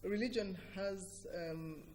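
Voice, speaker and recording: A middle-aged woman with a Ugandan accent, speaking as an interview guest in an earnest, emphatic and deliberate explanatory way. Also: medium pitch, darkish tone, slight background noise. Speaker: interview guest, cultural organisation director. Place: TV breakfast show interview.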